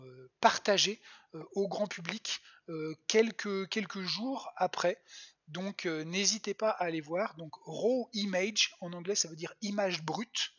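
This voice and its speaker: Husky-voiced planetarium educator, dull stream. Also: medium pitch, fairly bright tone. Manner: hesitant, many fillers and restarts, answers viewers' questions. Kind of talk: live online science talk for children. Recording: dull lo-fi home stream audio.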